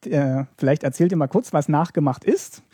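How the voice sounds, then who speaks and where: Guy hosting a podcast, soft dark husky voice, kinda hesitant, dry close sound. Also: a little high, normal speed, no echo. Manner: polite, hesitant moderating. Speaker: podcast host. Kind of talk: podcast interview.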